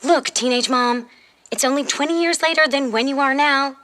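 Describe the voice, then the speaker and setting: A woman's voice: sits high, moderate pace, fairly bright tone. A woman playing a sassy, world-wise fifteen-year-old girl from the future in an audio drama, with casual, sarcastic phrasing. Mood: confident, teasing. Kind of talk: audio fiction drama acting.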